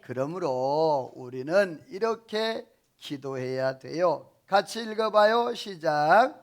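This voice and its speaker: High-voiced man preaching with call-and-response. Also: animated, slow. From South Korea. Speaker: senior pastor. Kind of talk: sermon.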